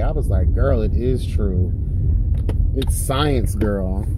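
Loud background noise surrounds a man recorded with a dry sound and no echo. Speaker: vlogger. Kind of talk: casual vlog chat. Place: car. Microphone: phone near.

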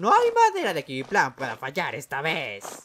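A man does a cartoonish character voice in a Latin American accent, pitched fairly high with a fairly bright tone. His pitch swings very widely. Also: moderate pace.

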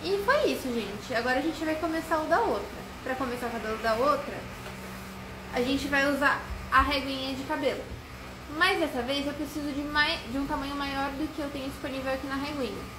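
A woman's raised, projected voice amid noticeable background noise. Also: ordinary pitch variation, fairly quick pace. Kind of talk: tutorial. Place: home room.

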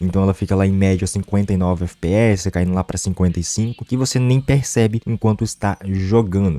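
Dry and close with no echo, a man's fairly low voice carries a dark, mellow tone, fairly even intonation and a moderate pace. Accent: Brazilian. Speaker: gaming youtuber. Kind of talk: tech review. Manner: casual.

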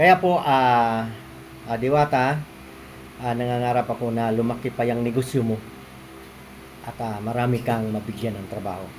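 A man with a medium pitch speaks at a moderate pace, using ordinary pitch variation. He leaves long, frequent pauses, and background noise is noticeable. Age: 60s. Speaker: vlogger. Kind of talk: casual vlog monologue. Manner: halting.

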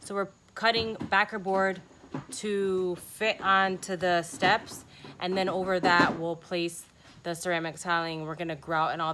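A woman talks at a moderate pace with fairly even intonation. Noticeable background noise sits behind her. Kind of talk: casual vlog chat. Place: bus. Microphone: phone near.

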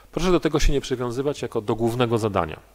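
A man speaks with ordinary pitch variation. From eastern Poland. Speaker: healthcare investment company director. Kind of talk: presentation at public meeting. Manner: halting. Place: meeting room. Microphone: podium.

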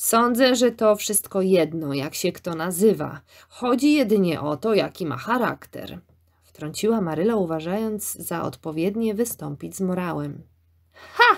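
Speaking at a fairly slow pace, a woman uses lively intonation in a very clean recording with a silent background. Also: medium pitch for a woman. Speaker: audiobook narrator. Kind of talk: literary audiobook reading, voicing the characters in dialogue. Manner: expressive storyteller with a wistful, romantic tone.

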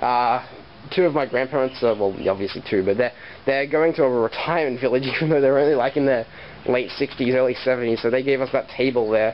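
A man with an Australian accent speaks at a fairly quick pace, with ordinary pitch variation and very even loudness. Noticeable background noise is audible. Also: medium pitch for a man. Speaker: gaming YouTuber. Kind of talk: casual vlog. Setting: home bedroom. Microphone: poor audio quality.

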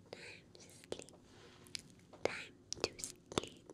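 A woman's soft-spoken, soothing whisper. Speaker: makeup roleplay creator. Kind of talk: personal attention roleplay talk. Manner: soft soothing ASMR whisper. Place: home room.

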